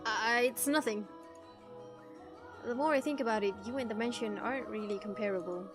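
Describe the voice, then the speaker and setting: A woman streamer reading a visual novel aloud and reacting in an animated, teasing way, swearing freely. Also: a little high, normal speed. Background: music.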